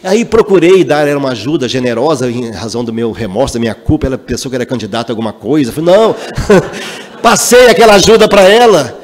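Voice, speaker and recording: Lively man lecturing. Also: mid-range voice, quick pace. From Minas Gerais, Brazil. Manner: emphatic, animated storyteller. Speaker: lecturer at a spiritist center. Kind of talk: spiritual lecture with personal storytelling. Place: spiritist center meeting hall. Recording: long hall reverb.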